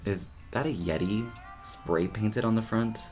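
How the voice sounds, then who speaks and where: A man playing a sardonic yet apologetic male cryptid with a flamboyant streak, expressive and wordy, in an audio drama. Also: on the low side, unhurried, faint music behind, natural voice. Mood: playful, arch.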